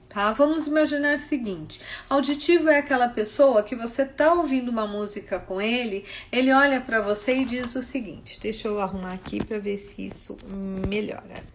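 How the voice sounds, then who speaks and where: High-voiced Brazilian woman explaining. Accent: Brazilian Portuguese. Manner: explanatory, checks in with frequent "tá?". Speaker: vocational guidance coach. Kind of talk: live-streamed teaching talk. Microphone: phone on a social media live stream.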